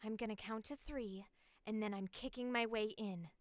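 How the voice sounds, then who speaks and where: A woman's voice: on the high side, fairly even intonation, moderate pace, no echo, lightly acted. A woman voicing a tough, hot-headed, fiercely loyal action character in a punchy, dramatic audition read. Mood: menacing, cocky. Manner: punchy, forceful delivery.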